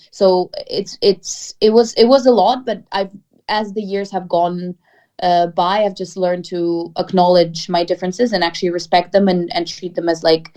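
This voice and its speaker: At a moderate pace, a woman speaks in a dark, mellow tone. Her pitch is medium and her intonation fairly even. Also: quiet background. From Ukraine, Kyiv. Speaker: journalist and content creator. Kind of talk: interview.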